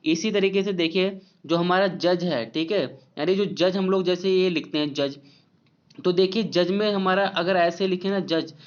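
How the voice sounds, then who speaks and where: A man explains spelling rules in a high, smooth voice. He spells out letters slowly and keeps checking in with his viewers. The recording sounds dull and lo-fi. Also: steady tone. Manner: repeats "ठीक है" often, slow spelled-out letters. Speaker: English spelling teacher.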